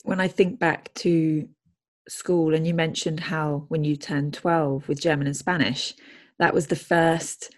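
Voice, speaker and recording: A woman's voice: sits low, fairly even intonation, unhurried. A woman who works as a language consultant, hosting a casual interview and thinking aloud in a friendly way. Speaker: language consultant and podcast host.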